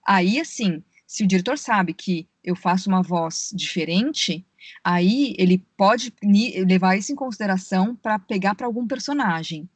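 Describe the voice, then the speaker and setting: A woman's voice: medium pitch, lively intonation, normal speed, husky, dry recording. A woman, a voice actress and audiobook narrator, explaining her work at length on a podcast call and often saying "né". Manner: explains at length, many fillers like "né" and "assim". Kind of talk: podcast interview over a call. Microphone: remote call.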